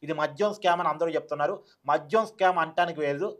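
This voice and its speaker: A man's voice: on the high side, fast. A man giving opinionated political commentary to online viewers, emphatic, repeating phrases and asking rhetorical questions.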